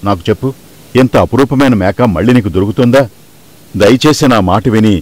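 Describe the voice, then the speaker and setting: A man's voice: fairly low pitch, a little mellow, lightly acted. A man voicing a kindly but firm old grandfather in a dubbed cartoon, persuasive and reasoning.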